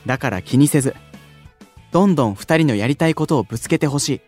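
Casting: a man as a gentle, earnest young leader with a lively, expressive delivery. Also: mid-range voice, quick pace, faint music behind, natural voice. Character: earnest kind young male idol leader. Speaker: unit leader, station-worker idol. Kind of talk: anime-style voice drama acting.

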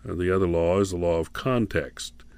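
A man with a fairly low voice hosts a Christian radio devotional from a studio. He speaks deliberately, as both announcer and Bible teacher, going back over details for his listeners. The sound is dry and close, with very little room in it. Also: a little mellow, clean tone, no echo.

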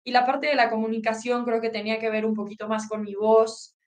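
A woman's voice: on the high side, brisk. A woman with a Mexican Spanish accent, an athlete and sports commentator, telling stories in a casual interview. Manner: animated storytelling.

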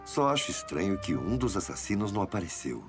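An excitable, loyal police detective in a radio-style drama, played by a man. The voice is on the low side and very expressive, colloquial in manner, over clearly audible music. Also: a little fast. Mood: tense, investigating. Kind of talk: audio drama acting.

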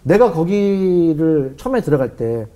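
A man's voice: fairly high pitch, very animated, unhurried, warm tone. A middle-aged man telling a story from his life as a talk show guest, acting out voices and sound effects as he goes.

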